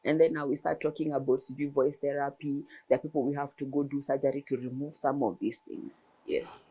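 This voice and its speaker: A woman's voice: rumbling low, fairly even intonation, brisk, warm tone, husky, low-quality recording. A woman ENT surgeon, explaining throat health in a TV interview with examples. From Kenya.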